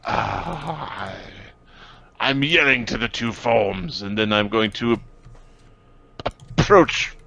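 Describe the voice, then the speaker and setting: A man chatting casually as a player in a tabletop game, with a gravelly voice on a dull microphone. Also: lowish voice, slow pace, pauses often, pushed and bright.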